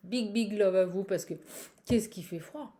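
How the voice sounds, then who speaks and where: A woman with a Parisian French accent, a tarot card reader and channel host, gives viewers a casual improvised card reading, chatty and exclamatory, repeating herself and breaking off mid-thought. Her voice is mid-range and a little slow, over a noisy background.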